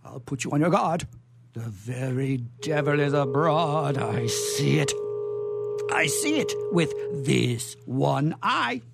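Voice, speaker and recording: A tipsy, boastful gypsy man rambles through a radio play. The voice is gravelly and leaps wildly up and down, slow and comically theatrical. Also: mid-range voice, lively intonation, loud music behind the voice. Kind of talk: radio theatre acting of an old melodrama.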